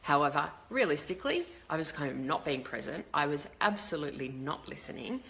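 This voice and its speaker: A woman's voice: deep voice, big pitch swings, a little fast, fairly bright tone. A woman with a slightly crackly voice, chatting casually and ramblingly to a live online audience as a leadership coach. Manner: chatty, rambling, greets viewers mid-thought.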